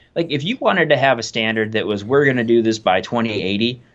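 With an American accent, a man uses an unremarkable speaking voice at medium pitch with ordinary pitch variation. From US Midwest, Wisconsin dairy farm. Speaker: energy policy researcher. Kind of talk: interview.

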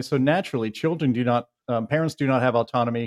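Dry and close with no echo, a man talks in an unremarkable speaking voice at a medium pitch. His pace is moderate and his pitch variation ordinary. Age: 50s. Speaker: think tank vice president. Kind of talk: casual chat.

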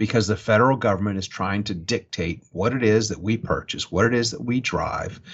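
A man speaks with a Texan accent. His intonation stays fairly even. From Texas. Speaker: former state legislator and energy policy advocate. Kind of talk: interview.

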